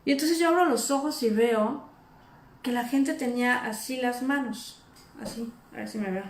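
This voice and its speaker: A woman preaching an informal sermon, animated and acting out the people she speaks of. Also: fairly high pitch, moderate pace, echoey room. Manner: animated, acts out imagined speakers.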